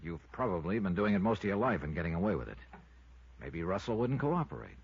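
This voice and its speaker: A muffled vintage radio recording of a sardonic American investigator from a 1950s detective drama. His voice is deep and swings expressively. The delivery is clipped and world-weary, with a soft heart under the toughness. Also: big pitch swings, fast talker, slightly rough, full character voice. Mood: challenging. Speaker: lead actor and narrator.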